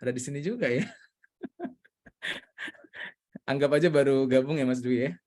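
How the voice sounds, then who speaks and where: A man leading an online training session over a video call, energetic and coaxing his audience. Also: mid-range voice, measured pace.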